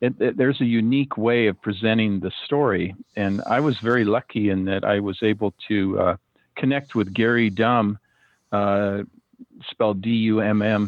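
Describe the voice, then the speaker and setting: With an American accent and an ordinary speaking voice, a man talks at a moderate pace in a fairly low pitch with fairly even intonation. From US Northwest (Seattle). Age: 60s. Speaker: comic book author. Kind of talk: podcast interview.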